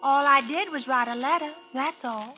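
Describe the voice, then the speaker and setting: An actress playing a bitter, suspicious small-town wife in 1940s radio acting, sarcastic and resentful. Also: female voice, high voice, moderate pace, over music, lightly acted, poor audio. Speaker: narrator and lead character.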